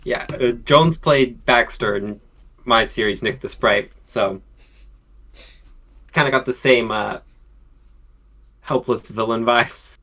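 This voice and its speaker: A man co-creating an animated series, chatting casually on a livestream and dropping dry, deadpan jokes. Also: mid-range voice, takes it slowly, long pauses.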